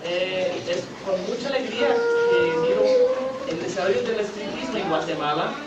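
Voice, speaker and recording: A Brazilian man whose first language is Portuguese speaks Spanish with a Brazilian Portuguese accent, answering earnestly as a radio interview guest and sometimes restarting hesitantly. His voice sits high, swings widely in pitch, and moves at a moderate pace. Recorded from afar in an echoey school hall during an anniversary event, the audio is muffled with loud noise.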